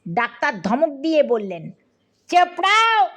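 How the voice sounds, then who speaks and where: A woman narrating a comic audiobook story in a lively, playful way, speaking to the listener. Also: high voice, slow pace.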